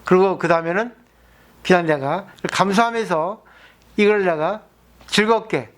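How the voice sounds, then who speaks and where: High-voiced monk giving a patient dharma talk. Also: male voice, measured pace. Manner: explains patiently, asks listeners rhetorical questions. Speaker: Buddhist monk.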